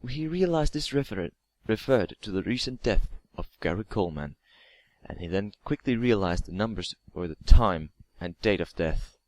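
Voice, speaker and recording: A man's voice: lowish voice, lively intonation, moderate pace, a little mellow, no echo. A man reading a scripted creepypasta story aloud as narrator, now and then stumbling over and repeating words. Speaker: narrator of online horror stories.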